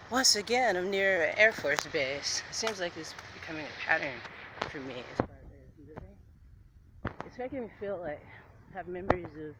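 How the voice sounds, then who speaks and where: Rambling man vlogging on a noisy street. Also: a little high. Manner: rambling, chatty, with laughs and restarts. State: slightly out of breath. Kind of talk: casual walking vlog. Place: outdoors on streets near an air base. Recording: noisy outdoor street with traffic. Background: traffic and urban ambience.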